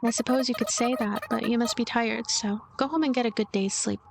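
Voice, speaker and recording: A woman voicing a blunt, aloof young woman in a game who fancies herself a ninja, offhand and deadpan. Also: a little high, brisk, gravelly, noisy background. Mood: dismissive.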